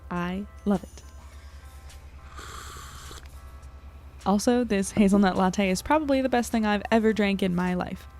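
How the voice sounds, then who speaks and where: A woman's voice: mid-range voice, a little fast, a little mellow, faint music behind, natural voice. A woman in her twenties playing an anxious, wry young reporter rambling into an audio diary in a casual, self-deprecating way. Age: 20s. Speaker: narrator and lead character. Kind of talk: audio drama diary monologue, casual and conversational.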